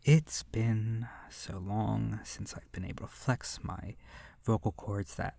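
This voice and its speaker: Slow, creaky, seductive vampire played by a man. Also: lowish voice, steady tone, no room sound, heavily acted. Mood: condescending, pleased. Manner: slow, hushed, lingering pauses, breathy whispering. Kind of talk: ASMR horror roleplay monologue. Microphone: close microphone.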